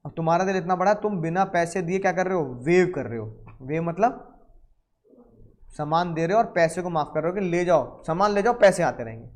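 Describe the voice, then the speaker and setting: High-voiced man teaching law. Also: moderate pace. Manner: lively, storytelling, asks students questions; mixes English legal terms into speech. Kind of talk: classroom lecture.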